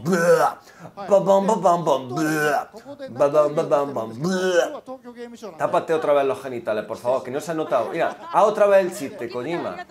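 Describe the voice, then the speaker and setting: A young man giving sarcastic reaction commentary, mocking everything with exaggerated mock delight. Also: high voice. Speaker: youtuber reacting to a game demo.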